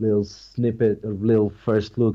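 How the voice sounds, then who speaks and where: A man's fairly low, monotone voice with flat intonation, in a Slovenian accent. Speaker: actor. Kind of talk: interview. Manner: halting.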